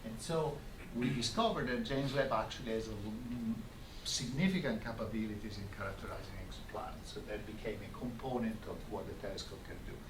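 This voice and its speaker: A man giving an academic lecture with slides, explaining in a halting way and often repeating words. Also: fairly low pitch. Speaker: visiting scientist giving a colloquium lecture. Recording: roomy, noisy lecture recording from far off.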